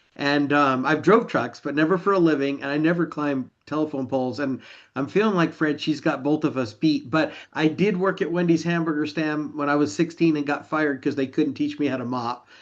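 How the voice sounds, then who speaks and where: Over a quiet background, a man talks at a fairly quick pace in a plain, everyday voice, with a fairly high pitch and ordinary pitch variation. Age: 60s. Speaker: network marketing leader. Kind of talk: live webinar update. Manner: casual, conversational.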